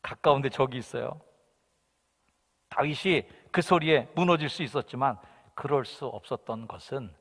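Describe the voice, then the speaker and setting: A male pastor preaching a Sunday sermon, emphatic, swinging between forceful shouts and soft asides. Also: medium pitch. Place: church sanctuary. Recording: long hall reverb.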